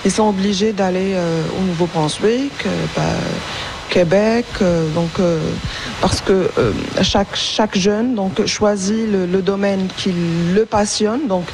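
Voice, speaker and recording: Speaking a little slowly in a medium pitch over background noise, a young Arabic-native woman is a guest on a radio interview. She works in school support and responds tentatively, with lots of fillers and false starts.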